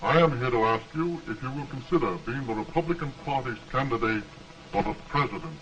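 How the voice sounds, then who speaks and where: An actor in an early talkie film playing an earnest, formal political delegate with an oratorical way of talking, on an old noisy soundtrack. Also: male voice, mid-range voice, quick pace, fairly bright tone, distant mic, muffled recording, natural voice. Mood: courteous.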